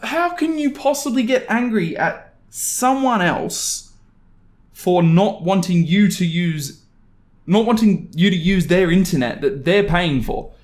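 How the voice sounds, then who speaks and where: A young man from Australia with a fairly high voice hosts a story reading. He moves between narration and casual, animated commentary with exasperated reactions. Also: a little slow. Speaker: YouTube host reading Reddit stories.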